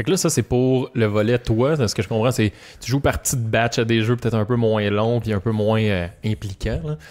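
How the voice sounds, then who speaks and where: A man at a medium pitch, a plain, everyday voice, ordinary pitch variation, moderate pace. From Quebec, Joliette. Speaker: podcast host. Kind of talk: casual chat.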